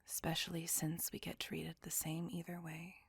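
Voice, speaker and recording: A woman voicing a brooding, possessive female vampire in a whispered ASMR roleplay, speaking in a soft, breathy, gravelly whisper close to the mic. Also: lowish voice, completely flat delivery, moderate pace, no room sound, exaggerated voice. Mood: brooding confessional. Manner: soft confessional whisper throughout.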